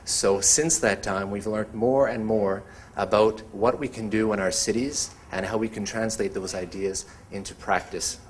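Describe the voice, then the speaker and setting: A man hosting an evening talk, introducing the speakers in a measured way. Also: lowish voice, fairly even intonation, a little hiss or hum. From Montreal. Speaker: event host introducing speakers. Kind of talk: event introduction.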